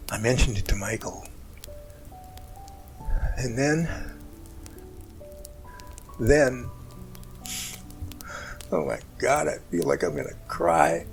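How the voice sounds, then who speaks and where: A man playing an emotional rescuer in an amateur audio drama, recounting events in an earnest, halting, dramatic way. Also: fairly low pitch, expressive. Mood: distraught, tearful. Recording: music bed under the voice.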